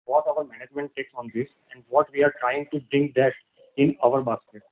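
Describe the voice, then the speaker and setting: A man with an Indian accent asking questions as a caller, halting and repeating himself. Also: mid-range voice, fairly even intonation. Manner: halting, repetitive. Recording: choppy, crackly phone line.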